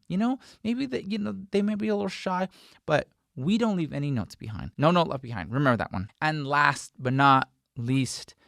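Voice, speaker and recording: A man with a slightly high voice presents an informal tutorial. He speaks close to the microphone with very little room sound, repeating key words for emphasis and slipping into little example remarks. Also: creaky, no echo. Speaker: instructor, video host. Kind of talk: informal tutorial talk to camera. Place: small home studio, indoors. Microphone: desk microphone close in front.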